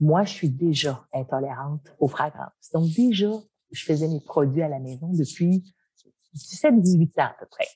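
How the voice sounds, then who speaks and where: Speaking at a fairly slow pace, a woman with a very deep, low pitch has a dark, mellow tone that is somewhat breathy. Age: 50s. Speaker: entrepreneur, company founder. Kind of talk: interview.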